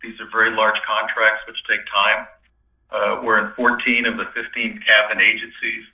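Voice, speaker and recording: A man speaking as a finance executive on an earnings call, answering cautiously in a halting, repetitive way. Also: lowish voice, completely flat delivery. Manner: halting, repeats himself, frequent "you know". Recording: roomy, distant, dull conference-call audio.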